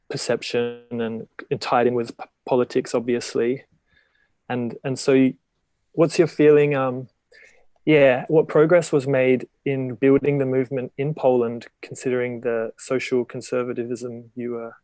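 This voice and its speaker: Male host, level monotone, dry close mic, steady with fillers. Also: medium pitch, no room sound. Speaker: interview host. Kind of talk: hosting a live-streamed video-call interview. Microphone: video call.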